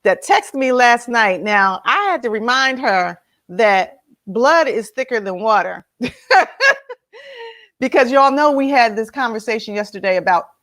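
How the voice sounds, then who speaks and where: A woman's voice: a little high, big pitch swings, a little slow, a bit bright. A woman host with a slightly nasal voice, leading a casual motivational talk and asking her listeners many questions.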